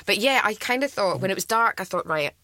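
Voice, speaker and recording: A Scottish woman telling stories in a casual chat, acting out voices with big jumps in pitch. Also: animated, fairly quick, sharp tone, dry recording. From Scotland. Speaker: guest.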